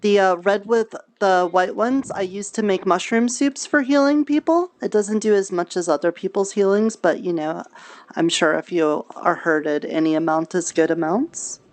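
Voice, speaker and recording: A woman plays a gentle female mushroom grower in a fantasy roleplay game. She explains things in simple, childlike words, feeling her way through each phrase. Her pitch sits in the middle range. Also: moderate pace, natural voice. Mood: gentle, explaining. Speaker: roleplay streamer. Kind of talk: improvised in-character virtual-world roleplay chat.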